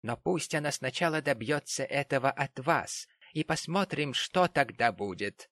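A man's voice: medium pitch, expressive, normal speed, fairly bright tone, no echo, pitched above the performer's own voice. A man playing a firm, earnest young man. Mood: restrained. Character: earnest young man defending his sister.

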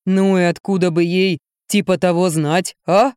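A woman doing a slow, grumbling heavy-set man. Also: fairly low pitch, fairly even intonation, darkish tone, clear, resonant tone, dry recording, studio quality, close to an everyday voice.

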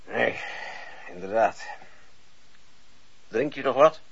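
An actor playing a genial, self-satisfied colonel in a period radio drama, with polite gentlemanly talk. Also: male voice, mid-range voice, takes it slowly, gravelly, slightly rough, full character voice. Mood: reserved. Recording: hissy, dull old radio recording.

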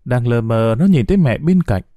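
A man narrating a sad story in a slow, heartfelt, expressive way. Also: mid-range voice, dry recording.

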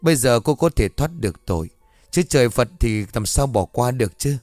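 A man voicing an old Buddhist monk who speaks in a low, grave, admonishing tone. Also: expressive, a little mellow, no room sound, soft background music, lightly acted. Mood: stern. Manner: low, slow, solemn admonishing.

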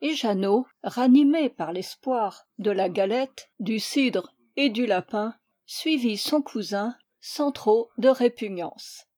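A woman reading a classic children's novel aloud in calm, measured storytelling. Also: on the high side. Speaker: audiobook reader. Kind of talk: scripted narration of a classic novel.

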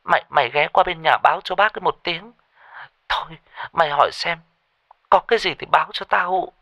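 A man's voice: a little high, a little fast, sharp tone, no room sound, clean studio sound, pitched above the performer's own voice. A man voicing a terrified young woman who stammers and pleads over the phone in a ghost story. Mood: frightened. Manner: stammering, panicky, breathless pleading.

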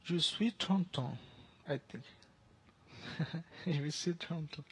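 A man speaks slow, broken English, stopping often to hunt for words. His voice is gravelly with a slight fry, a bit higher than most men's. A faint hum of background noise sits under him. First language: Portuguese. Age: 30s. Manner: halting, searching for English words. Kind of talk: casual chat with online stranger.

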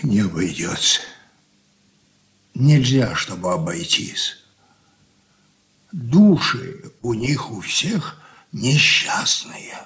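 Older merchant patriarch, stern then broken, unhurried, radio drama. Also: male voice, mid-range voice, very animated, a bit bright, heavily acted. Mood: despairing. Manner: slow, heavy, brooding delivery. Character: aging stern merchant father, weary and grief-worn. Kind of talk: 1980s studio radio drama acting.

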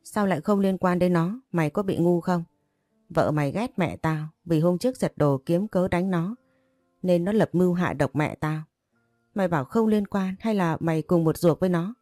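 Woman doing an hysterical grieving daughter, storybook figure, shrill accusations, low mellow tone, dry sound. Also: normal speed, dry recording, faint music behind, lightly acted. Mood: furious. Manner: shrill accusing rants, sobbing pleas.

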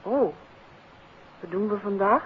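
An actress playing a detective's inquisitive, direct wife in a 1950s Dutch radio play, with a Netherlands accent. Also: female voice, medium pitch, slow pace, natural voice. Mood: sleepy, grumbling. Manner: questioning, direct. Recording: tinny, noisy 1950s radio recording.

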